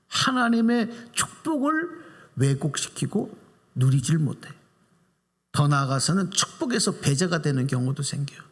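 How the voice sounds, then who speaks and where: A man's voice: fairly high pitch, very animated, unhurried, breathy edge. A male pastor giving a Sunday sermon in a church sanctuary, preaching with animation and putting questions to the congregation. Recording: reverberant church hall.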